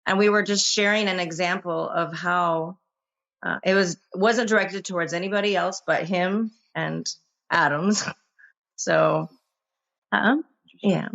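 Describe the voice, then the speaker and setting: A woman's voice: fairly low pitch, steady tone, unhurried, vocal fry, fairly bright tone, muffled recording. A woman on a talk show, answering criticism in a hesitant, defensive way.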